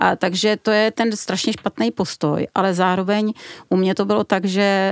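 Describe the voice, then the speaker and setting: A woman has a normal speaking voice at a medium pitch. She keeps a moderate pace and fairly even intonation. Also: dry, close sound with no echo. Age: 60s. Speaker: coach and social skills trainer. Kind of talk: casual chat. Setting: studio.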